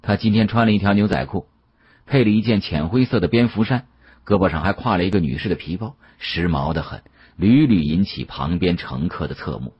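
A man narrating a mystery novel as an audiobook, in an expressive, dramatic first-person storytelling style. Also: deep voice, brisk, breathy edge, lo-fi sound.

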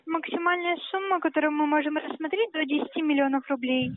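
A woman's voice: high voice, fast talker, dry recording. A woman working as a bank telemarketer, formal, polite and persistent on a sales call. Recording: dry, tinny telephone line.

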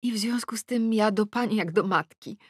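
A woman's voice: mid-range voice, brisk, slightly rough, no room sound, studio quality, pitched above the performer's own voice, close to an everyday voice. A woman reading an audiobook, voicing a sweetly polite, apologetic younger woman, the rival new wife, in formal manner.

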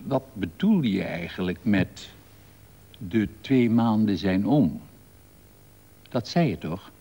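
A man's voice: fairly low pitch, sing-song, slow pace, mellow, heavily acted. Wry older woman, as an old man reads her. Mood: dry. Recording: long reverb on old broadcast tape.

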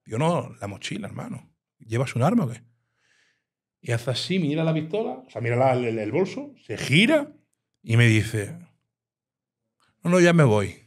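A man with an animated storytelling manner, recounting his time as a nightclub bouncer in a casual interview. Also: medium pitch, normal speed, breathy edge. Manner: animated storyteller, acts out quoted dialogue.

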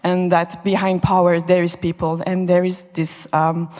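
Female audience member, earnest and halting, low voice, reverberant hall. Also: flat delivery, darkish tone. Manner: earnest, searching for words. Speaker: audience member asking a question. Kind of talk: conference Q&A question.

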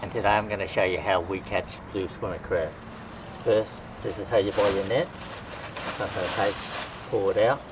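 Middle-aged guy showing how to rig a crab net, low voice, kinda far from the camera mic, street noise behind. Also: steady tone, moderate pace. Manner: plain step-by-step explaining while working with his hands. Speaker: fishing tutorial host. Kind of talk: how-to demonstration. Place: outdoor driveway beside a boat trailer. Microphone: camera mic a few feet away.

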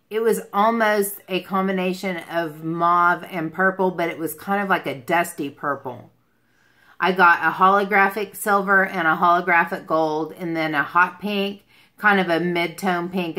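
A woman's voice: on the low side, bright, forceful tone. A woman in her mid-forties chatting casually on a livestream, rambling from one thought to another as she answers viewers. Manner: rambling, jumps between topics. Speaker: beauty livestream host. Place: small furnished room at home, indoors.

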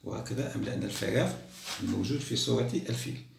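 Gravelly male teacher in an echoey room. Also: medium pitch, far from the mic, slight background noise. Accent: Algerian Arabic. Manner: reads questions aloud slowly, then praises and explains. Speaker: primary school teacher. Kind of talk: classroom-style exam review lesson.

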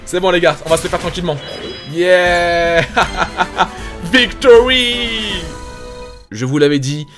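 A man giving excited gameplay commentary, hyped and swearing casually as he talks to his viewers. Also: on the high side, racing, few pauses, faint music behind. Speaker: gaming YouTuber. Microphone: facecam setup.

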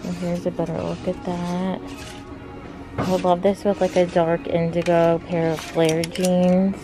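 A woman's voice: lowish voice, completely flat delivery, unhurried. A young woman chatting casually as she films herself shopping in a clothing store, talking with lots of "like" fillers. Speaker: fashion vlogger. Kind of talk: casual shop-with-me narration. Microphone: handheld phone camera. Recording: background music playing over voice.

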